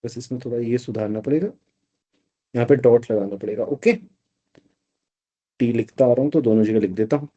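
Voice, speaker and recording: A man's voice: medium pitch, fairly quick, pauses often, warm tone, husky, muffled recording. A man teaching a live online math class, explaining step by step and often checking that students follow. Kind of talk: live online math lecture, Hindi-English mix.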